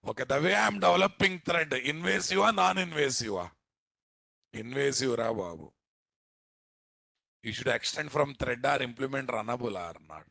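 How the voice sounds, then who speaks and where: In a clean studio recording without echo, a programming teacher with a Telugu Indian accent delivers a casual technical lecture. His mid-range voice is gravelly and sharp-toned, fairly quick with hardly any pauses, and he keeps asking his listeners rhetorical check questions.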